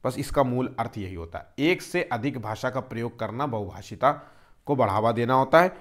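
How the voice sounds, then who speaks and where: A man's voice: medium pitch, lively intonation, normal speed. A man teaching an exam-prep lesson, explaining step by step and posing questions he then answers himself.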